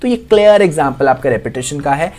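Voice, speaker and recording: A man's voice: a little high, expressive, brisk, darkish tone. Man tutoring with repeated check-ins. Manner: quizzing students, repeats points, frequent check-ins. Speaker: online tutor. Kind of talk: exam-prep lesson.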